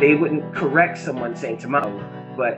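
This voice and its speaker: A man talks at a moderate pace while music plays clearly behind him. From US South, Gullah Geechee region. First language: Gullah. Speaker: language instructor. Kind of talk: interview answer. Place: home room. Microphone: earbuds.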